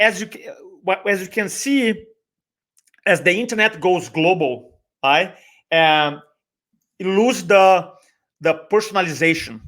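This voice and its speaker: Appearing as a guest, a speaker trainer and business owner from Brazil talks in a conversational, motivational style, repeating points for emphasis and posing rhetorical questions. He is middle-aged, a native Portuguese speaker with a Brazilian accent, and his voice sits high with a fairly bright tone.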